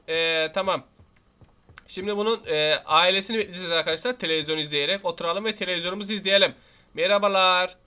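A young man with a Turkish accent, giving excitable, jokey let's-play commentary and playfully scolding the game's baby. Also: high voice. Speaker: gaming YouTuber.

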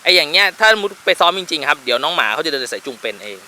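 A quick-talking man with a bright, sharp voice is coaching a dog owner outdoors. He gives firm, short commands and explains as he goes. Faint noise sits behind him. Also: on the high side, animated. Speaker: dog trainer. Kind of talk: on-location dog training instruction.

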